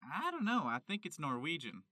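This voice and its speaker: Guy doing a naive young farmer in a comedy audio play, super bright lively voice, dramatic. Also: a little high, normal speed, dry recording, clean studio sound, exaggerated voice. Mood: uncertain. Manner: earnest, dramatic, guileless. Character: earnest, naive young male chicken farmer.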